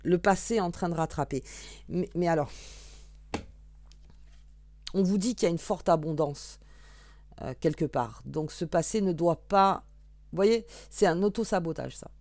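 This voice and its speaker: Low-voiced woman reading cards. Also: normal speed, long pauses, mellow, dry recording. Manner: chatty, thinking aloud, many fillers and restarts; shuffling and drawing cards while talking. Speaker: tarot reader. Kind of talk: casual card reading.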